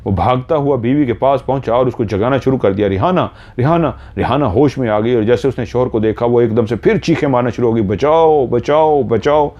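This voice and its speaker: A man narrating a horror story dramatically, rising in pitch and loudness at tense moments, on a dull lo-fi recording. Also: quick pace, hardly any pauses.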